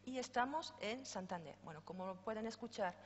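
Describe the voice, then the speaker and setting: A woman's voice: medium pitch, lively intonation, brisk. A middle-aged woman from France with a French accent, head of a programme office, giving an informal, explanatory conference talk with fillers and self-corrections. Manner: explanatory, informal asides with light laughter and fillers. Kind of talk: conference presentation. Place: conference stage. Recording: dull sound with long hall reverb, faint hum.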